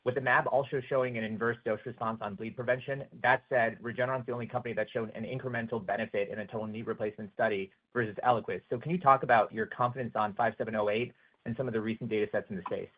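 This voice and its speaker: A man's voice: mid-range voice, fairly even intonation, fast talker. A man asking a technical question as a financial analyst on an earnings call. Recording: tinny phone line.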